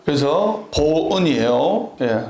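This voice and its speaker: A male Buddhist monk with a Gyeongsang accent mixed with Seoul speech, preaching in a deliberate way and having the audience repeat after him. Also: a little high, sing-song, vocal fry, a little mellow, reverberant. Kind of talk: sermon with humor.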